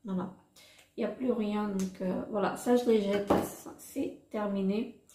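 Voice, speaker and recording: A woman vlogger casually showing her makeup products, halting often with fillers and restarts. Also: mid-range voice, steady tone, dark tone, echoey room. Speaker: beauty vlogger.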